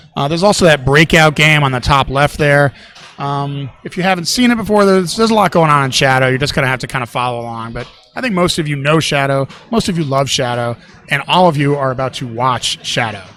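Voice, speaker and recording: Music plays behind the speaker. A man rattles along very fast, his intonation lively. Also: fairly high pitch for a man. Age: 60s. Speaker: pinball commentator. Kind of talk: live commentary. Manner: animated.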